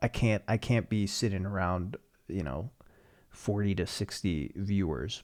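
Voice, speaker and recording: Over music in the background, a soft-spoken man with an American accent talks at a fairly slow pace and a fairly low pitch. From Wisconsin. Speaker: streamer and YouTuber. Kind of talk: casual chat. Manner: halting, repeats words; quiet, soft-spoken. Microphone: turned up, speaking close to mic.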